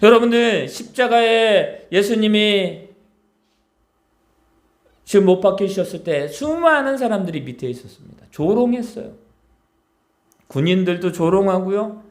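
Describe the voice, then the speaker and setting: A man's voice: high-pitched, big pitch swings, normal speed. A man preaching a sermon as pastor, emphatic, repeating key words and tossing rhetorical questions to the congregation.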